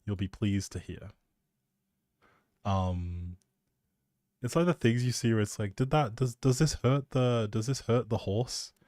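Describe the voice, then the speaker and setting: A man's voice: on the low side, measured pace, pauses often, a little mellow, no room sound. A man chatting casually as a live streamer, rambling in a playful, self-deprecating way into a close microphone.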